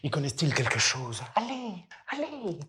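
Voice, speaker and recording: Stage comedy: smooth young servant-suitor, bright declamatory tone. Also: male voice, fairly high pitch, huge pitch swings, normal speed, full character voice. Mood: persuasive. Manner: persuasive, declamatory verse-like delivery. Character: young male steward, smooth flattering schemer. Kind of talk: classical stage comedy acting.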